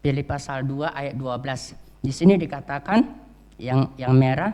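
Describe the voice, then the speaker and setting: A man's voice: mid-range voice, normal speed, dark tone, clean tone. A man preaching a sermon in a church, talking conversationally with many "ya" and "eh" fillers as he tells stories. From Indonesia. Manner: frequent "ya" and "eh" fillers, conversational storytelling. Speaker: religion teacher.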